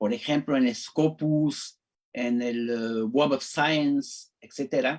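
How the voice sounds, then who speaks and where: The man's intonation is fairly even. He talks very slowly. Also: fairly high pitch for a man. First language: Arabic and French (speaking Spanish). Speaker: professor, international relations researcher. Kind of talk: interview. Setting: online broadcast. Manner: hesitant, many fillers.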